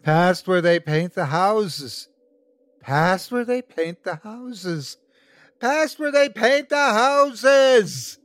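Sickly, half-mad bearded wretch, played by a male narrator: raised pitch, pleading, chanting, terrified, for an audiobook. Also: animated, very slow, a bit bright, no room sound, heavily acted. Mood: frantic chanting. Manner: pleading, crying out, chanting repetitively.

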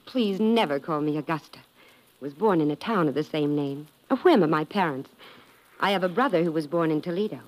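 Breezy American farm woman, 1950s radio drama. Slightly low register, dry banter, unflappable. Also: lively intonation, low-quality recording. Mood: breezy, wry. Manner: brisk, wry banter. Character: breezy, self-possessed American farm woman living in Australia.

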